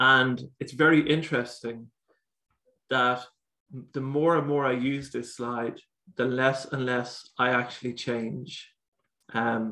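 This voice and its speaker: A man's voice in an Irish accent, medium in pitch and bright, sharp in tone, monotone and flat, very slow with long, frequent pauses, over a quiet background. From Ireland. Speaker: exam tutor. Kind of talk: lecture. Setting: video call. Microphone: video call.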